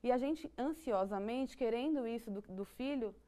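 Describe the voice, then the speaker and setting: A woman with a Brazilian Portuguese accent talks through ideas in a relaxed conversation. Her voice sits a little high, and she pauses and restarts often as she thinks. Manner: thoughtful, many restarts and fillers, laughs lightly. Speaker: psychology guest. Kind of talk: conversational explanation.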